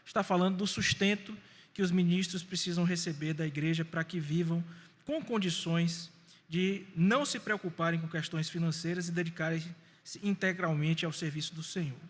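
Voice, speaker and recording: A Brazilian Portuguese-accented man preaching as a pastor in a church, in an animated, folksy storytelling way. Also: on the high side, moderate pace. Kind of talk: sermon. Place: church sanctuary. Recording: long church reverb.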